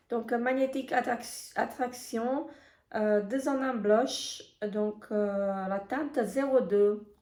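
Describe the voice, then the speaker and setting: A woman with a hoarse voice giving a casual beauty product review, talking in a halting way full of hesitations. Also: fairly high pitch, warm tone. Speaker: beauty vlogger. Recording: echoey room.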